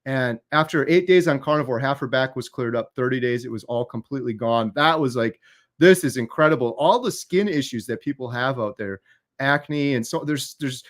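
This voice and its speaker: A man hosting a livestream, telling stories in an animated, fast-moving way. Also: medium pitch. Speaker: host. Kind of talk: casual livestream chat.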